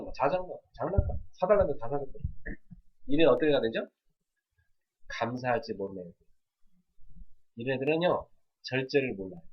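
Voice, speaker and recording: A male pastor giving a sermon on parenting, asking the congregation questions and quietly acting out parents talking to children. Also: medium pitch, breathy edge, highs cut off. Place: church.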